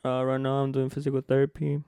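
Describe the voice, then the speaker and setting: A young man from Durango, Mexico speaks English with a Mexican Spanish accent in a gravelly yet smooth, resonant voice. He talks relaxed and a bit hesitant, leaning on "you know." The recording is dry. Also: mid-range voice, fast, no room sound. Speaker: podcast co-host. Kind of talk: casual podcast chat.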